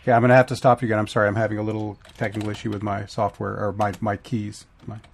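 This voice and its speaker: A man hosting a podcast, with a hoarse, raspy voice, chatting casually as he interviews a guest. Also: fairly low pitch, flat delivery, racing. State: hoarse, throat-clearing voice trouble. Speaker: podcast host.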